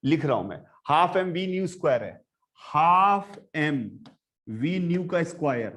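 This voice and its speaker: A man lecturing a physics class, switching between quiet and loud talk as he works problems and speaks to his students. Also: on the high side, measured pace. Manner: animated, swings between soft and loud, addresses students directly. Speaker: physics teacher.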